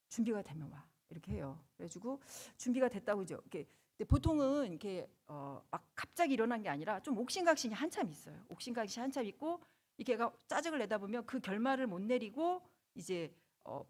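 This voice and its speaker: A middle-aged woman, a school principal, giving a seminar lecture full of personal stories and acted-out exchanges. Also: on the high side. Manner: lively storyteller who acts out quoted exchanges.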